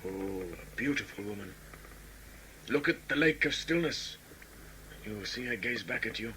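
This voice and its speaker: A man's voice: lowish voice, animated, normal speed, bright, forceful tone, low-quality recording. A man acting a proud, commanding tribal lord and stern adoptive father in a sci-fi audio drama, speaking formally. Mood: tender, grave. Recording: amateur audio play with background noise.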